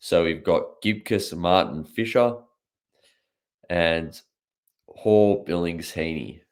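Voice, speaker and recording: On a very clean recording with a silent background, a man with an Australian accent and a very deep, low pitch speaks at a very slow pace, with ordinary pitch variation and long, frequent pauses. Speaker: fantasy football youtuber. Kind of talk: casual video commentary. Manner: hesitant, filler words.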